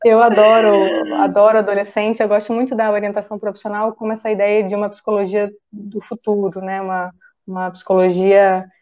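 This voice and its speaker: In a Rio de Janeiro accent, a woman speaks at a moderate pace and a medium pitch, her intonation monotone and flat. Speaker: psychologist and university lecturer. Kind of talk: interview answer.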